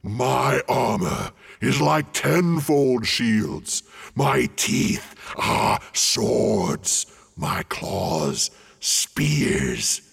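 A man voicing a huge, ancient, boastful male dragon, slow, booming and gloating. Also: creaky, a bit bright, husky, in a large hall, heavily acted.

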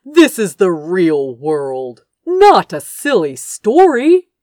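A woman's voice: mid-range voice, sing-song, slow, dry recording, studio quality. A woman voicing a smug, impatient royal brother in an audiobook, curt, scoffing and patronizing. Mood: condescending. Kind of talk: dramatic audiobook character dialogue.

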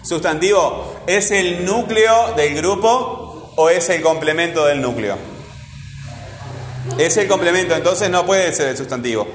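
Guy teaching grammar, kinda high voice, roomy echo, asks and answers himself. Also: unhurried. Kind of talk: classroom grammar lesson. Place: classroom. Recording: echoey room with long reverb, faint ambience.

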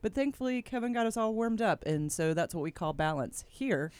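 A woman hosts an improv podcast in a loose, playful chat. Her pitch rises and falls a lot as she jokes with her friends. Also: brisk, clean tone, dry recording. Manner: chatty and playful, lively pitch. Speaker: podcast host.

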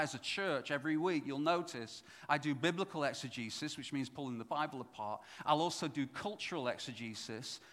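A middle-aged man preaching a sermon as pastor, swinging from loud emphatic points to low asides. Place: church hall. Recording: echoey church hall.

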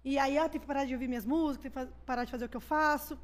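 A Brazilian woman pastor gives her testimony as a podcast guest, and her voice sits high. She talks at a quick clip. She acts out the voices she quotes like a lively storyteller. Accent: Brazilian Portuguese. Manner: animated storyteller who acts out quoted dialogue. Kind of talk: personal testimony in a podcast chat.

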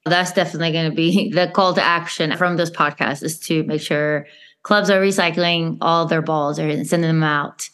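A woman's voice: sits low, steady tone, normal speed, fairly bright tone, clear, resonant tone. A woman hosting a podcast interview, friendly, asking questions. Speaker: podcast host.

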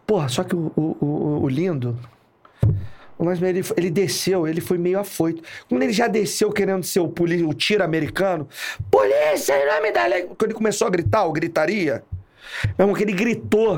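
A male police inspector from Rio casually telling a work story, animated and acting out the shouts he quotes. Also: high-pitched, fairly quick.

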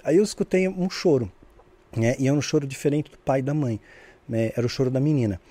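A man tells a story at a quick clip, his voice dark and mellow. He talks in a lively way and acts out the voices he quotes, often checking in with "né?". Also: medium pitch, dry recording. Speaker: guest storyteller. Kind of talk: casual storytelling.

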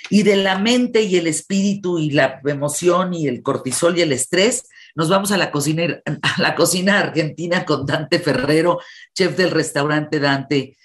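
A woman's voice: deep voice, moderate pace. Mexican woman hosting a colloquial radio show. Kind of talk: lively conversational radio interviewing.

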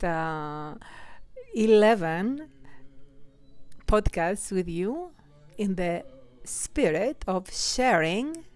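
A woman hosting a casual holiday podcast in English, which is not her first language, talking in a relaxed way with fillers and small laughs. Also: medium pitch. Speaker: podcast host. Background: soft Christmas music.

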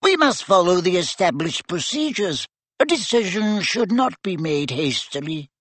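A man puts on a tiny old wizard professor whose squeaky voice sits high above an ordinary man's. The delivery is fussy and precise, with every word placed just so. The sound is breathy and dry, close to the mic. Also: very animated, moderate pace, fairly bright tone, no echo, heavily acted. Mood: solemn.

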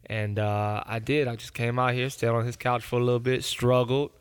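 Crisp-voiced young man, casual and slangy. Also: medium pitch, normal speed, no room sound, studio quality. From Miami, Florida. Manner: slangy, agreeable, animated interjections. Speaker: comedian guest. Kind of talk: casual chat.

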